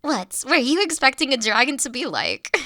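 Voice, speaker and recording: A woman playing a big, shy, nerdy young dragon student in an intimate audio roleplay, earnest and halting. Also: high-pitched, big pitch swings, sharp tone, no echo, clean studio sound, full character voice. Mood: self-deprecating, teasing. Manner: bashful, earnest, halting, giggly. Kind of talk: intimate one-sided character audio roleplay.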